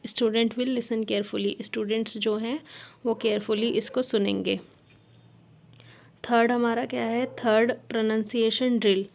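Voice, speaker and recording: A woman explaining a lesson plan. She reads the lines slowly, then explains each one in Hindi. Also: fairly high pitch, gravelly, a little mellow, a little hiss or hum. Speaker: teacher trainer.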